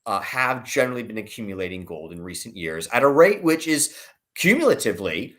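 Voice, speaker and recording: A man's voice: medium pitch, sing-song, fairly quick, a bit bright. A man speaking as an analyst guest, explaining things emphatically in conversational commentary and posing rhetorical questions.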